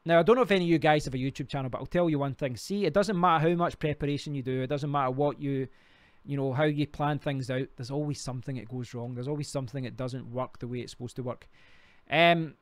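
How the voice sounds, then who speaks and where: A Scottish man with a mid-range voice talks quickly, with no echo, while hosting a casual crypto live stream. He rambles and talks to himself as he clicks through sites.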